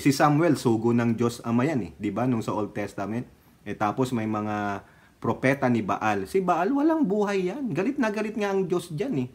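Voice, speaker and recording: A man giving scornful political commentary and retelling Bible stories, chuckling and swinging between low mutters and loud bursts. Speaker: political vlogger. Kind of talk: opinionated commentary mixed with Bible storytelling.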